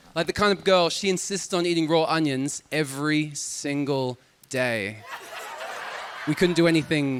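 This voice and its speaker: Pitched fairly high, a man speaks at a moderate pace with ordinary pitch variation over noticeable background noise. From Australia. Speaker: comedian. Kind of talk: stand-up.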